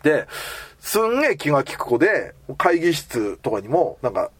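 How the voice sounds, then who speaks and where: A man's voice: fairly high pitch, moderate pace, slightly rough, dry recording. A man hosting a casual anime chat, telling stories and acting out the lines of the people in them. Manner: animated storyteller acting out quoted lines. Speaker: podcast host.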